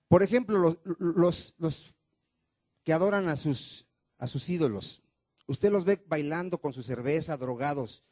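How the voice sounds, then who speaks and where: Male pastor, slightly high and warm, preaching in a dry close sound, quizzing his congregation. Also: no echo. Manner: fires rhetorical questions at the congregation, call and response. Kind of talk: sermon. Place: church.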